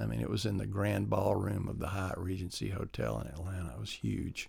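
A man with a Southern US accent and vocal fry speaks in a very deep, low pitch at a moderate pace with lively intonation, recorded very cleanly against a silent background. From Kentucky, US South. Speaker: songwriter. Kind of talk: casual interview. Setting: recording studio.

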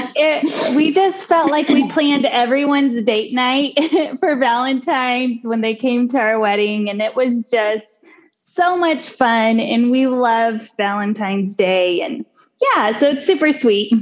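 Lively intonation at a fairly slow pace, with an American accent. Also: woman, high pitch for a woman. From northern Oklahoma, Ponca City. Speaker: women's ministry coordinator. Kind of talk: podcast interview, personal testimony.

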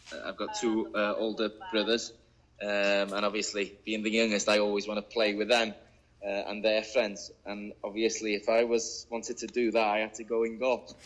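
This man has a Welsh accent and a fairly low pitch. His intonation is monotone and flat, and his pace is moderate. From Wales. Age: 30s. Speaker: professional footballer. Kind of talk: podcast interview.

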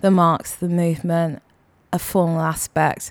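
A woman with a London accent at a fairly slow pace, in a very clean recording with a silent background. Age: 20s. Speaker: painter. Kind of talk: interview. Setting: artist's studio.

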